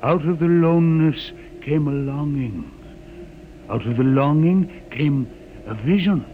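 A man's voice: fairly high pitch, slight background noise, close to an everyday voice. A man playing solemn old witness of legend. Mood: solemn chanting. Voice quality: slow, chanting delivery. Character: old male keeper of the ship's legend, solemn. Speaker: John the Witness. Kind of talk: 1950s radio drama acting. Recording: tinny 1950s radio broadcast with music.

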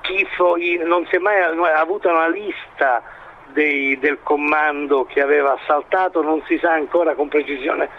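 A man giving expert current-affairs analysis in an interview, speaking in a halting, hesitant way as he builds his points. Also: fairly high pitch, steady tone, narrow, tinny audio, slight background noise. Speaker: expert commentator being interviewed.

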